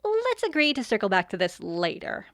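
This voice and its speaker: A woman's voice: mid-range voice, huge pitch swings, normal speed, fairly bright tone, dry recording, studio quality. A woman playing a breezy, theatrical schoolgirl in an audio drama comedy, chatty and slangy as she tells things dramatically. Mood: sassy. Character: breezy, theatrical teenage girl student, loves acting.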